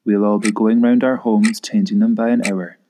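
A man giving a grave, measured voice-over in the sober style of a public safety advert. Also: fairly low pitch, level tone, warm tone, a little hiss or hum.

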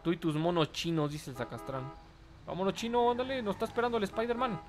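A man's voice: sits high, fast. A young man with a Mexican accent commentating a live game stream, joking in slang and greeting viewers from the chat. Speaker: gaming streamer.

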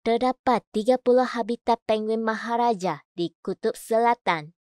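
A woman's voice: fairly high pitch, normal speed, darkish tone, dry recording. Woman reading scripted voice-over, dry sound. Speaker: voice-over artist. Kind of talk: scripted voice-over demo: adverts, narration, announcements.

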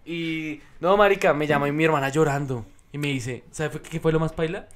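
A man's voice: on the high side, moderate pace. A young man with a Colombian accent, co-hosting a podcast, telling stories with lots of swearing and drama. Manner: animated storyteller, swears a lot. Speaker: podcast co-host. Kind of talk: casual chat.

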